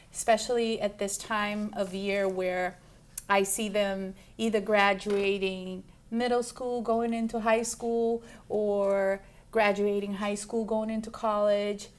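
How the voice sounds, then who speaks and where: A woman in her forties from Brazil, a juice bar owner, answering interview questions in a chatty way, full of ums and restarts. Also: mid-range voice. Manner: chatty, lists things with many ums and restarts.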